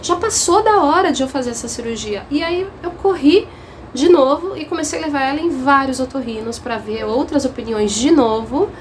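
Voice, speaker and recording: A young mother talks straight to her followers in a casual vlog, high-pitched and earnest, her feeling showing as she tells the story. A faint hum of noise sits under her voice. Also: normal speed. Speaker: mother and channel host. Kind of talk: casual vlog talk to viewers.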